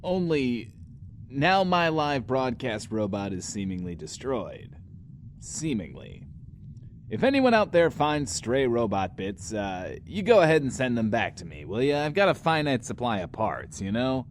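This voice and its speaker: A man's voice: medium pitch, big pitch swings, measured pace, a little hiss or hum. A man playing an upbeat, self-absorbed radio DJ hosting a show in an audio drama. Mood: breezy. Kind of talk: in-world radio show acting.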